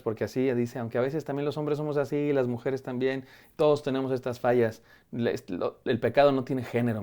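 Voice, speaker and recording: A middle-aged pastor delivers a devotional message straight to camera in an earnest, conversational way. His voice is dark and mellow and sits at a middle pitch. He often restarts phrases and repeats key words as he preaches. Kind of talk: devotional sermon. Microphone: camera framing, speaking to camera.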